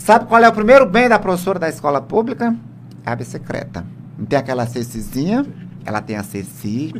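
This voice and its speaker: Moving at a fairly quick pace, a man with a fairly high pitch and vocal fry swings his pitch very widely and leaves long, frequent pauses. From Brazil, Piauí. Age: 50s. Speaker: comedian. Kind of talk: casual chat.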